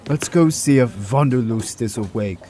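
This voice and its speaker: A man's voice: medium pitch, animated, moderate pace, warm tone, a little hiss or hum, pitched below the performer's own voice, natural voice. A man voicing a weary, embittered middle-aged doctor in an audio drama, downcast and dramatic. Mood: defeated, bitter. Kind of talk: amateur audio drama acting.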